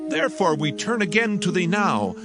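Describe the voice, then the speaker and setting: A man's voice: high voice, sing-song, moderate pace, music in the background. A man playing a pleading, anxious tribal elder in a dramatized Bible story, urgent and beseeching.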